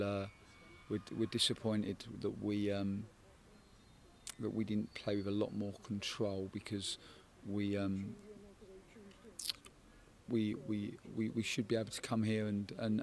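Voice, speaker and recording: A man in his forties, a football head coach, giving a measured post-match interview outdoors at a night stadium, often repeating words as he thinks. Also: fairly low pitch, monotone, vocal fry, slight background noise. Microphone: handheld interviewer microphone.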